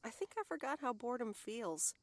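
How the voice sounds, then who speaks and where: Lively, curious young woman. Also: a little high, fairly quick, slight background noise. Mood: restless, curious. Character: curious, restless younger woman on a fishing trip. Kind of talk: video game voice acting.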